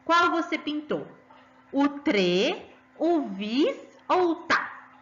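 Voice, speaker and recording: A woman's voice: high-pitched, sing-song, extremely slow, fairly bright tone, dull audio, a little hiss or hum. A woman with a Brazilian Portuguese accent teaching a children's lesson, sing-song and coaxing, drawing out stressed syllables.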